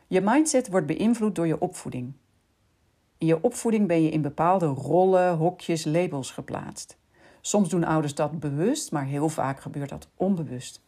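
A woman hosting a podcast, calmly explaining in scripted narration and speaking directly to the listener. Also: sits low, breathy edge. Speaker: podcast host.

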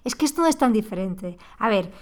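A woman's voice: mid-range voice, lively intonation, fairly quick. Earnest impassioned woman. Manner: speaks straight to the listener. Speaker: parenting podcast host. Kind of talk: podcast monologue.

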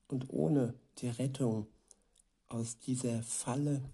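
A man reading Bible verses aloud and reflecting on them as a preacher, in a measured devotional manner, repeating passages for emphasis. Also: medium pitch, mellow, breathy edge.

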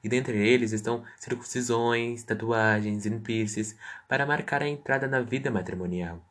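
A man's voice: medium pitch, moderate pace. A man answering interview questions as a guest, reading prepared answers with stumbling restarts.

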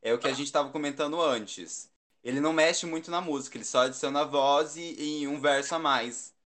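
A man's voice: fairly high pitch, brisk, a bit bright. A man with a Brazilian Portuguese accent in casual chat, gushing and emphatic about what he loves. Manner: gushing, emphatic fan talk.

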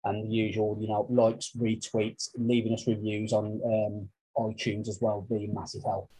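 A man's voice: on the low side, flat delivery, normal speed, dark tone, slightly rough, low-quality recording. A man with a Black Country accent talking casually and wordily as a co-host on a sports podcast. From Black Country, England.

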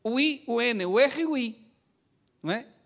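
A man with a high-pitched voice preaches a sermon as a pastor. He teaches step by step, keeps checking in with his listeners through quick tag questions, and leads them in repeating after him. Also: animated, vocal fry, fairly bright tone.

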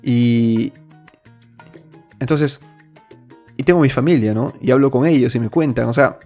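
A man's voice: medium pitch, measured pace, darkish tone, soft background music. A man from Peru hosting his own opinion show, speaking earnestly with many restarts and fillers. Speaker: host. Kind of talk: opinion monologue.

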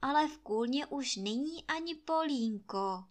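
A woman's voice: high voice, lively intonation, voice pushed up. A woman voicing a humble gamekeeper, speaking meekly and apologetically to his master. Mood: apologetic. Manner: meek and apologetic. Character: humble old male gamekeeper, apologetic servant.

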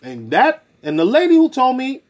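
A man hosting a podcast in casual chat, telling stories in an animated way, laughing often and acting out what people said. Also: very high-pitched, normal speed. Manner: animated storyteller, laughs often, acts out quotes. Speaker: podcast host.

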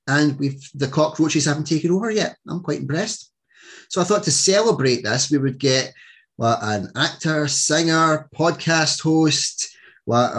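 A man hosting a chatty online show, cracking jokes and wandering off into stories. He sounds relaxed and casual, with a middle-pitched voice and a lively, teasing way of talking. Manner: jokey, rambling, laughs often. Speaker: podcast host. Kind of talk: casual interview chat.

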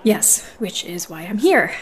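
A woman's voice: mid-range voice, very animated, a little slow, noisy background. A woman playing an earnest, prickly dwarven paladin in an audio drama, speaking in a firm, formal, businesslike way. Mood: worried.

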